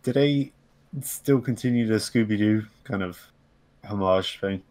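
Lower-pitched man in casual chat. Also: measured pace, a little mellow.

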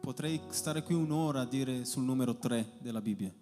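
A man interpreting a sermon phrase by phrase, matching the preacher's build from calm to loud. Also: mid-range voice, normal speed. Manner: echoes the preacher phrase by phrase, rising with him. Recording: music under a long-echo church hall.

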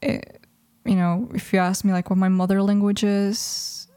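A woman's voice: mid-range voice, little pitch movement, moderate pace, warm tone, smooth, dry recording. A woman of twenty, raised in Mexico with Russian as her first language, talking thoughtfully in a casual interview with many restarts. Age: 20s. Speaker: guest.

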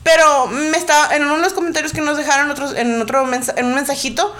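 A woman's voice: high-pitched, fairly even intonation, quick pace, a bit bright. A woman, co-hosting a podcast in casual chat, rambling emphatically through her thoughts. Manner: rambling, many fillers and restarts, emphatic. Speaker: podcast co-host.

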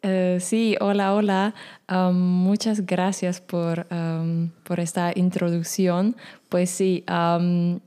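A woman whose first language is Slovak, speaking as a podcast guest in a casual chat, pausing often with fillers. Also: on the low side, level tone, mellow, clean tone. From Slovak minority in Romania. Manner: hesitant, many fillers.

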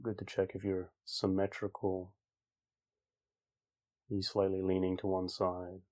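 Male meditation guide: low, level voice, slow and calm, informal phrasing with long gaps. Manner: calm, unhurried, with long pauses. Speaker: meditation teacher. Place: online group session over video call.

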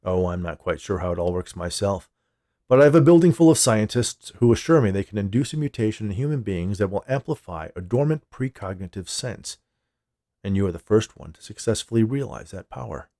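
A man's voice: fairly low pitch, expressive, fairly quick, mellow, no room sound, studio quality. A man voicing a powerful, smug corporate CEO with a commanding, coolly condescending manner in an audiobook-style story. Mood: smug, assured.

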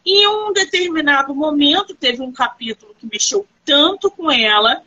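A woman, an author hosting a live-stream interview, animated and reassuring as she asks questions and tells stories. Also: sits high, normal speed, lo-fi sound.

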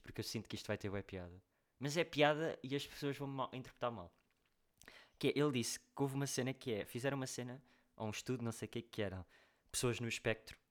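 A young man talks at a quick clip as a podcast co-host. His delivery is casual, slangy and rambling, full of joking asides, at an ordinary male pitch. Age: 20s. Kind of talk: casual chat.

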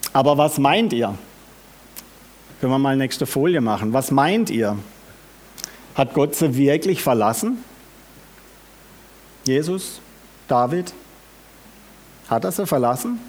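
A man preaching a sermon, often asking the congregation questions and speaking with lively emphasis. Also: medium pitch, slow, pauses often.

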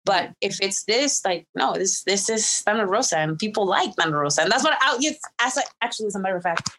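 A woman's voice: mid-range voice, lively intonation, fast, a bit bright. Woman, wrestler guest, candid and emphatic, casual interview. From Mexico. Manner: candid, emphatic, self-assured.

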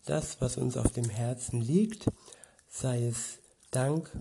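A man giving an informal Bible teaching, reflective and hesitant, often pausing with fillers. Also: medium pitch, creaky, background noise. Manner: slow, reflective, with frequent hesitations. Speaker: preacher.

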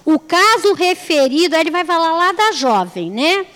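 A woman's voice: extremely high pitch, expressive, normal speed, a bit bright, in a large hall. A woman giving a religious talk, telling stories in a chatty way, repeating phrases and asking rhetorical questions. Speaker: lay speaker at a spiritist center.

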